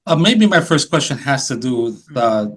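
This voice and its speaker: Filipino man, talk show host, husky breathy voice, slow halting delivery, restarts and pauses. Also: medium pitch, big pitch swings, fairly bright tone. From Philippines. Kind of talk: hosting an interview show.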